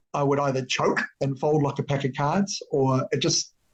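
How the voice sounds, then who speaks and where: Somewhat breathy, a man with a New Zealand accent has a fairly high pitch. He talks at a moderate pace with fairly even intonation. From New Zealand, Auckland. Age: 40s. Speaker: technical writer and agile project manager. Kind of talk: interview. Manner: halting.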